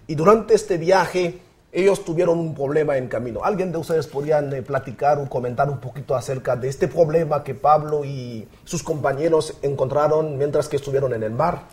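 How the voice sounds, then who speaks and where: A man's voice: on the high side, a little mellow, slightly rough. A man hosting a Bible study discussion in a studio, welcoming listeners and guiding the conversation. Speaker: host of a Bible study program.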